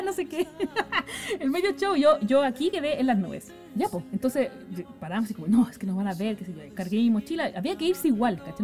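Fast-chatting Chilean woman, soft music behind. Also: a little high. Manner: chatty, peppered with slang tags, quick and lively. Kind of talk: casual storytelling.

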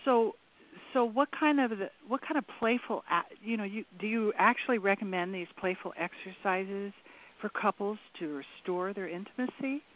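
A woman hosting an interview who reacts with enthusiasm and asks halting questions full of restarts. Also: mid-range voice. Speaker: interview host. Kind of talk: casual interview chat. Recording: phone-like narrow line.

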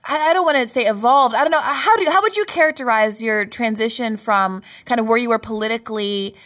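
A woman's voice: a little high, brisk, a bit bright. A woman hosting an interview, earnest and effusive, asking long winding questions. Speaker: host.

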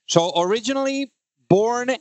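A man's voice: very high-pitched, normal speed, a little mellow, dry recording. A man hosting a business podcast, talking in a conversational way with fillers and repeated words. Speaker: podcast host. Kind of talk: casual interview.

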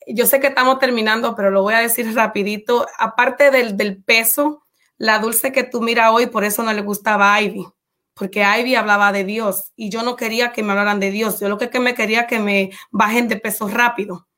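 A woman's voice: on the high side, fairly even intonation, bright, forceful tone. A woman coach speaking in an interview with fervent, religious conviction. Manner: fervent, religious, quick-talking. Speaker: guest coach. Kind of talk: casual interview testimony.

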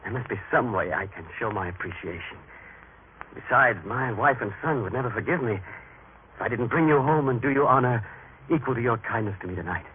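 A man's voice: medium pitch, expressive, brisk, close to an everyday voice. An actor playing a grateful, repentant injured man, earnest and emotive, in an old religious radio drama. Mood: insistent, heartfelt. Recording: tinny, noisy vintage radio recording.

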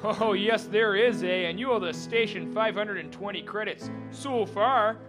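An actor playing a cheerful, quirky space station chief who tends bar, with a folksy manner, in a sci-fi comedy. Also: male voice, high voice, moderate pace, music in the background, natural voice, poor audio. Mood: matter-of-fact. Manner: folksy, ends phrases with "eh". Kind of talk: animated sci-fi comedy dialogue.

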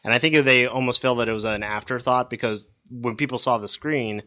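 Quick wry man, dry lo-fi sound. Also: medium pitch, fairly even intonation, sharp tone, no room sound. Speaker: podcast co-host. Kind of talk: casual gaming chat.

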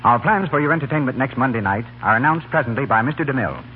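A man's voice: mid-range voice, expressive, fast talker. A man making formal scripted announcements in the style of 1930s radio. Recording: tinny, noisy 1930s radio recording.

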